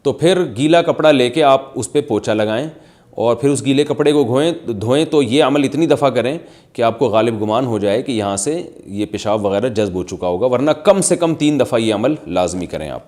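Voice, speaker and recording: A man's voice: medium pitch, lively intonation, darkish tone. An Islamic scholar, a man, reading viewer questions and answering them with plain step-by-step examples. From Pakistan.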